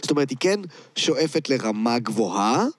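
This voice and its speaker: A man's voice: mid-range voice, expressive, dry recording. A man with an Israeli accent, a rapper and producer being interviewed, chatting casually in slang sprinkled with English words. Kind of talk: casual chat.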